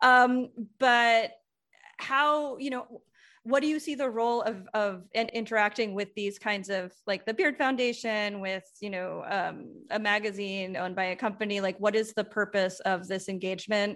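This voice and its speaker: Delivered at a moderate pace against a quiet background, this is an ordinary speaking voice with ordinary pitch variation. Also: woman, fairly high pitch for a woman. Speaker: interviewer. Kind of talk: interview conversation.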